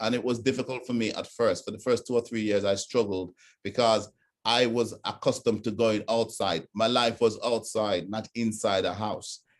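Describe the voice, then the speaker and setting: In a strong Jamaican accent, a man talks at a fairly quick pace and a medium pitch, with fairly even intonation over a quiet background. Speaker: care services director. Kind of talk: interview.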